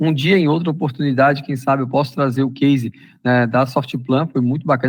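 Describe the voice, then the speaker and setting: A man at medium pitch with a Florianópolis accent, fairly quick and fairly even, against a quiet background. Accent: Florianópolis (manezinho). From Brazil, Florianópolis. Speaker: SEO consultant and marketing professor. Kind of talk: webinar presentation. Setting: online webinar. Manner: casual, many fillers.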